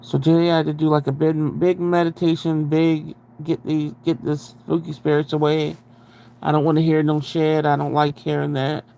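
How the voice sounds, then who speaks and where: Greeting viewers in a chatty, rambling livestream, a man speaks with a stuffy, nasal tone and a gravelly, fry-heavy texture. His voice is slightly high and warm, level in tone at a moderate pace. The audio is poor, and with his mouth right at the mic, his breaths are audible.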